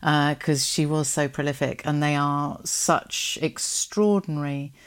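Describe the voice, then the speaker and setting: A woman's voice: low voice, fairly even intonation, measured pace, clean tone. A woman hosting a podcast, talking conversationally and explaining things. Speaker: podcast host. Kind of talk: conversational interview and discussion.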